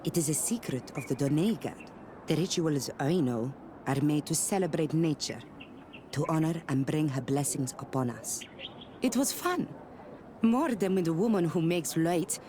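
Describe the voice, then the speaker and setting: A playful tribal woman in a fantasy game. She speaks in teasing, cryptic, simply formal phrases, over clear ambient noise. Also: sits low, lively intonation, normal speed. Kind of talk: video game dialogue.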